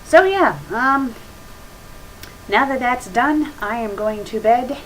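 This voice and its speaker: Speaking slowly at a fairly high pitch, a woman hosts a web show, reading things aloud and picking them apart in a casual, blunt, mildly profane way. The webcam mic adds noise and a steady ambient hiss.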